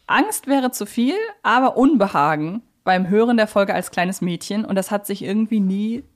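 A woman's voice: medium pitch, lively intonation, moderate pace. Woman podcast host just chatting away, thoughtful, has opinions, mid-range voice. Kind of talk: casual fan discussion.

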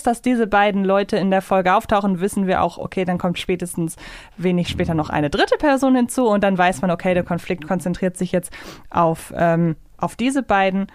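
A woman's voice: medium pitch, normal speed, a little mellow, dry recording, clean studio sound. A woman, talking conversationally as a podcast co-host reviewing audio dramas.

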